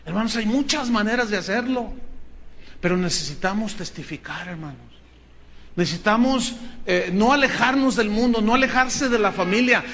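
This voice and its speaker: A man's voice: high-pitched, normal speed, fairly bright tone, slight background noise. A man with a Mexican Spanish accent preaching a sermon as pastor, telling stories and acting out quotes with emphasis. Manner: storytelling with acted quotes, emphatic.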